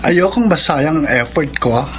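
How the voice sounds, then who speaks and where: Campy, sassy gay Filipino best friend. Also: male voice, a little high, animated, measured pace, fairly bright tone. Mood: fond. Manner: campy, dramatic, mock-disgusted teasing. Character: campy, sassy gay young man, teasing but affectionate best friend. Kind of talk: radio drama acting.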